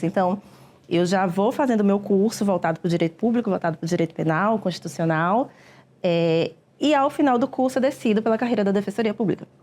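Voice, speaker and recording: A woman, a public defender answering interview questions in a measured, explanatory way with frequent hesitations. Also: mid-range voice, darkish tone. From Brazil.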